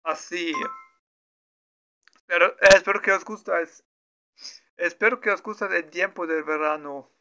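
A man working his way through a story in Spanish as a learner, stopping often to fill gaps and correct himself. His voice sits fairly high and sounds bright and smooth. He takes his time, pausing between short bursts. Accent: non-native Spanish learner. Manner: slow, hesitant, many fillers and restarts. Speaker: language learner streaming his practice. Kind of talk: halting improvised practice talk.

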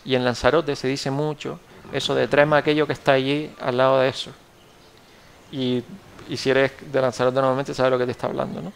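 A young man with a Canarian Spanish accent talks through a strategy game, thinking aloud, trailing off and correcting himself. His voice sits at an ordinary pitch with a gravelly, creaky edge. A faint hiss of noise runs underneath. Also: flat delivery, brisk. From Canary Islands, Spain. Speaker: gameplay tutorial host. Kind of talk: casual gameplay commentary.

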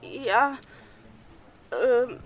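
A woman's voice: fairly high pitch, animated, drawn-out words, muffled recording. An actress playing a stubborn woman calling the police emergency line to ask for a rescue helicopter. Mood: insistent. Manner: insistent. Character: self-assured woman caller misled by the internet. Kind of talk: radio drama acting.

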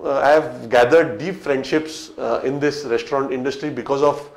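A man's voice: medium pitch, steady tone, moderate pace, creaky. Indian man explaining in an echoey room. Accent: Indian English. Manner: conversational, many fillers and restarts, gesturing while explaining. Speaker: restaurant business coach. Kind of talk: whiteboard talk to camera. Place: small room in front of a whiteboard, indoors. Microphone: fixed camera, medium shot.

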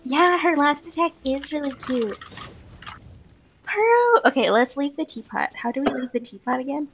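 A woman chatting casually while hosting a gameplay video, excitable and giggly, given to exclamations and sing-song bits. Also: sits high, normal speed, slight background noise, poor audio. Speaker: gaming video host.

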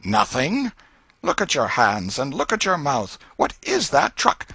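A man voicing a gravelly, scolding old aunt. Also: mid-range voice, wildly swooping pitch, a little slow, pushed and bright, no room sound, lo-fi sound, voice pushed up, full character voice. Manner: scolding, exclaiming, folksy dialect. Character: fussy, soft-hearted old aunt, scolding.

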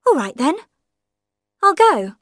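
A woman voicing a quiet strained man. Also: sits high, big pitch swings, slow, no echo, studio quality, pitched above the performer's own voice, exaggerated voice. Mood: tense. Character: quiet troubled man, tense and withdrawn. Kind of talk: audiobook character voice.

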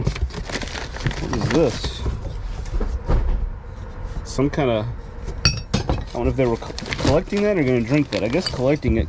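Easygoing man thinking aloud, noisy background. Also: mid-range voice. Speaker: storage auction reseller. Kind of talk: casual unboxing commentary. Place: inside a storage container outdoors. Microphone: body-worn camera. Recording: noisy handheld outdoor recording.

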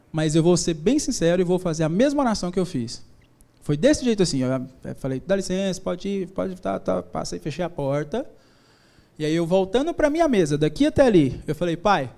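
Man, high voice, mellow tone, joking informal stage talk, slang, faith and business. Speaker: business speaker. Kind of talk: live motivational talk. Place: event stage before an audience.

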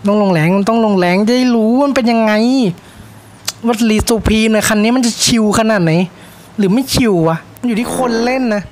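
A man's voice: sits high, brisk, darkish tone. A man giving playful, jokey commentary on his own racing game, chattering to himself and slipping into mock race-caller patter. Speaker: mobile racing game streamer. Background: game music.

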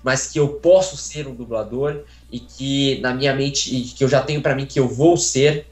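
A man's voice: mid-range voice, normal speed, darkish tone. Earnest young Brazilian man, roomy call audio. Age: 20s. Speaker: interview guest, aspiring voice actor. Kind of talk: casual chat. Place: small plain room at home. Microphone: phone on a video call.

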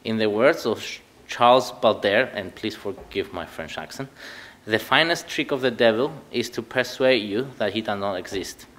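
A man in his thirties from Cyprus, a native Greek speaker with a Cypriot accent, delivering a prepared political speech at a commemoration event in an earnest, measured way that stresses key words. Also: fairly low pitch, lively intonation, a bit bright. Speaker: party speaker.

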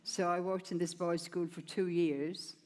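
A woman's voice: on the low side, flat delivery, a little slow, darkish tone. An older woman, speaking as a guest in an onstage interview in a plain, rambling way, often adding "you know", on a headset mic. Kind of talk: onstage conversation, personal story. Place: stage at a large gala, indoors.

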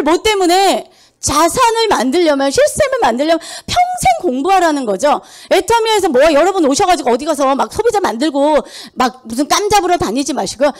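A middle-aged woman giving a motivational sales lecture, emphatic, firing rhetorical questions at her audience and mimicking people's excuses. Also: high-pitched. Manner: acts out quoted excuses in mocking voices. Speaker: sales seminar speaker. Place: lecture hall.

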